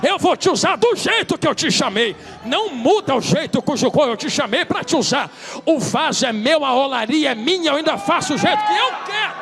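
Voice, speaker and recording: A man is shouting loudly at an extremely high pitch, with very wide pitch swings. He keeps a moderate pace over noticeable background noise. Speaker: pastor. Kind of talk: sermon. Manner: loud, shouting.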